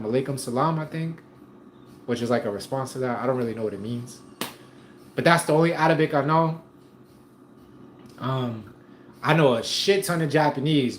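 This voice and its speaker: A man hosting a casual livestream from home, reading viewer comments in a laid-back, slangy way and chuckling often. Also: mid-range voice. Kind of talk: casual live chat. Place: room at home. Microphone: streaming setup. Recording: echoey room, faint noise.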